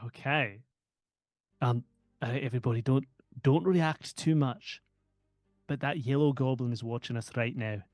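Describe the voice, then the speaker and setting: A man's voice: medium pitch, measured pace, pauses often, a little mellow, no room sound, clean studio sound, soft background music. A man playing a tabletop role-playing game, chatting casually and acting playfully theatrical. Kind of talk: casual in-character play and table chat.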